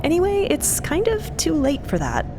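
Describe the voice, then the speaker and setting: Woman acting an earnest, awkward young woman, high and lilting. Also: moderate pace, background noise, exaggerated voice. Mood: earnest, flustered. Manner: hesitant, earnest, rambling. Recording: steady rumbling ambience under voice.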